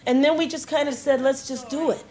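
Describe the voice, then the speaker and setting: A middle-aged woman speaks in an interview as a local community leader. Her voice sits a little high, and she is recorded indoors. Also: fairly even intonation, brisk, dark tone. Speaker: local assembly member.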